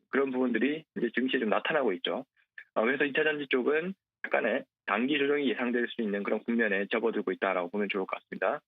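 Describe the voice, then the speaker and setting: A man's voice: medium pitch, gravelly, no echo. A man giving stock market commentary as a guest analyst, speaking hesitantly with frequent filler sounds. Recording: tinny phone-line sound.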